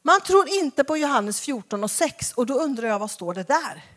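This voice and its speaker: Animated woman giving a Christian teaching. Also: sits high. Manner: acts out dialogues with shifting voices. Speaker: Christian speaker. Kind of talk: lively teaching talk.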